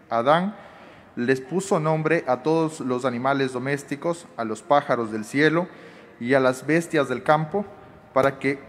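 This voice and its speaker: Young man reading scripture aloud. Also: a little high. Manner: steady, careful reading. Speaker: lay reader. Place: outdoor tented stage. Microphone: handheld microphone. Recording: reverberant public address sound.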